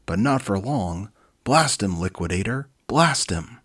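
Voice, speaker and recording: A man voicing a gruff, determined team leader who hunts monsters, speaking with urgent command in a storybook. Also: lowish voice, animated, a little slow, fairly bright tone, full character voice.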